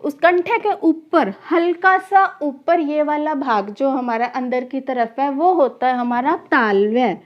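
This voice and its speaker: A woman with a high voice teaches a grammar lesson at an unhurried, deliberate pace. She poses a question, then answers it herself, repeating each key term for her students. The recording is slightly dull and lo-fi. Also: animated. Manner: addresses students as children. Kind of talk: classroom lesson for exam students.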